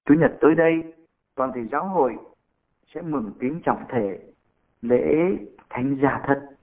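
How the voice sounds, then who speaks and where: Catholic priest preaching over tinny audio. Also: male voice, mid-range voice, expressive, slow. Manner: storytelling, addresses congregation. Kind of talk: sermon. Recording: tinny phone-like radio sound.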